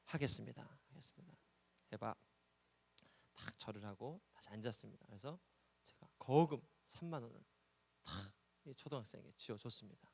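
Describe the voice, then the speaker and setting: A man's voice: on the low side, expressive, normal speed, pauses often, dark tone, slightly rough. A male pastor preaching a sermon, telling a story and repeating key words for emphasis, often checking in with the congregation. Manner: prompts the congregation with "예?".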